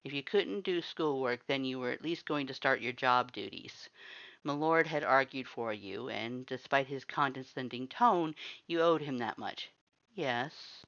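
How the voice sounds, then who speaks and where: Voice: medium pitch, moderate pace, a bit bright, no room sound, dull audio. A narrator reading fan fiction aloud as a story, in a scripted audiobook style.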